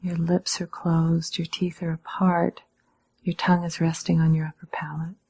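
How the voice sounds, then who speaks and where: A woman meditation teacher giving calm, measured guided instruction in a breathy, slightly husky voice, with gentle pauses. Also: fairly low pitch.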